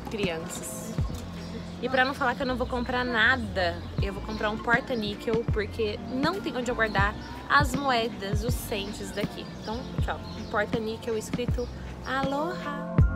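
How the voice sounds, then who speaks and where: Over loud background music, a woman speaks at a fairly slow pace with long, frequent pauses, in a dry sound with no echo. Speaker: travel vlogger. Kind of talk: casual vlog chat.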